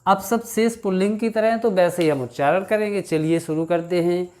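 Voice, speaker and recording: A man teaching a grammar lesson, reciting word forms in a slow chant and talking to his students as children. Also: high voice, darkish tone. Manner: addresses students as children, frequent "thik".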